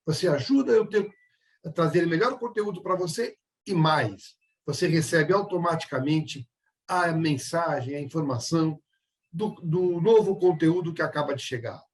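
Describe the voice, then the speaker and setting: A man with a somewhat high voice hosts an online interview show, chatting away with rambling questions full of restarts. He is recorded far from the mic in an echoey room.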